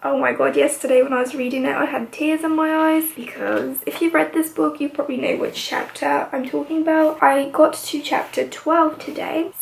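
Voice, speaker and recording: A chatty woman vlogging from home in a rambling, easygoing way. Her voice sits high and has a gravelly, croaky edge. She often drops into a quiet whisper. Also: fairly even intonation, normal speed, hardly any pauses, slight background noise. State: slightly croaky voice. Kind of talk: casual chat.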